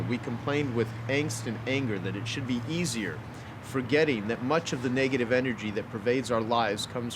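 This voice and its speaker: A man's voice: mid-range voice, background noise. A man giving an earnest, formal reading of a scripted motivational text.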